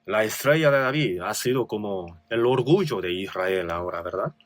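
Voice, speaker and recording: A man's voice: on the low side, expressive, normal speed. A male pastor with a Korean accent preaching a sermon, reading scripture with rising emphasis and asking rhetorical questions.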